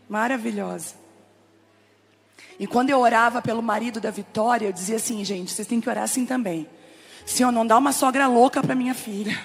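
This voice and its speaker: A woman's voice: a little high, vocal fry. A middle-aged woman pastor, preaching through a personal story and speaking straight to the audience. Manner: emotional, laughing and crying as she tells the story; talks directly to the audience, very animated.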